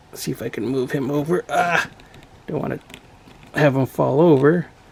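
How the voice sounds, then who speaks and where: A man with a fairly high pitch at a moderate pace, fairly even intonation and big swings in loudness, over noticeable background noise. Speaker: toy collector and reviewer. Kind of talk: unboxing and review video. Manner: casual.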